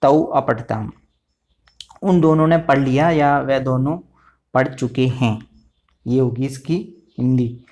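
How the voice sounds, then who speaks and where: A man's voice: mid-range voice, steady tone, a little mellow. Patient male Sanskrit teacher. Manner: patient, repeats forms slowly and checks understanding. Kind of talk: online grammar lesson.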